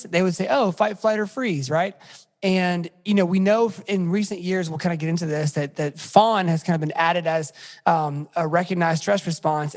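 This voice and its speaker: A man's voice: on the high side, big-room sound. Rambling man hosting a podcast. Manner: friendly, rambling with many fillers. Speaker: podcast host. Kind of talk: casual podcast talk.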